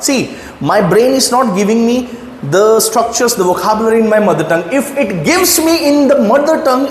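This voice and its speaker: A man's voice: sits high, a little hiss or hum. A man with an Indian accent giving an emphatic motivational English lesson, often checking whether the listener follows. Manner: emphatic, asks the listener rhetorical questions. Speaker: English teacher. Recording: echoey room with long reverb, faint ambience.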